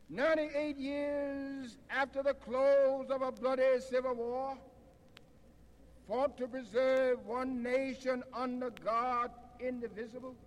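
A minister prays a benediction with extremely slow, cadenced, solemn delivery. His voice sits very high. Long reverb trails each phrase, as from a public address system. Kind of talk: prayer.

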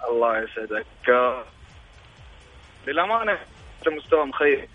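A man's voice: mid-range voice, big pitch swings, moderate pace, soft background music. A male caller from Jeddah speaks earnestly on a sports call-in show while his phone line breaks up and cuts out. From Jeddah, Saudi Arabia. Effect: phone line breaking up and cutting out. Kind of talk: call-in opinion. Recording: muffled, distant phone call.

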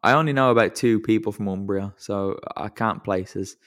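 A man's voice: lowish voice, moderate pace, fairly bright tone. A man hosting a casual football podcast, rambling and self-deprecating as he thinks aloud. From English-speaking country. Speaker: podcast host. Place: lives in Italy.

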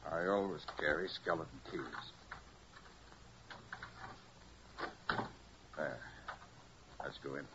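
An actor playing a brisk, confident American master detective in a 1940s radio drama, speaking with crisp authority. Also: male voice, rumbling low. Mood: businesslike. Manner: crisp, authoritative, matter-of-fact. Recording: muffled, hissy 1940s radio recording.

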